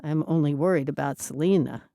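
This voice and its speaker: A woman voicing a gentle, earnest Amish young man in an audiobook, in a soft-spoken manner. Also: low voice, a little fast, dry recording, studio quality.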